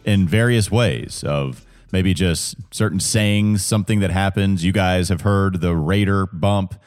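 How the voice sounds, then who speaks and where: A man's voice: low voice, unhurried, soft background music. A man from North Carolina with a Southern accent, co-hosting a casual sports podcast and rambling with many restarts. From Catawba County, North Carolina. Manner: rambling, self-interrupting, chuckling.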